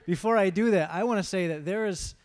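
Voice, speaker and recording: A man's voice: sits high, brisk. A man acting as pastor, introducing a church guest with teasing, rambling remarks. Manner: teasing, warm-hearted, rambling.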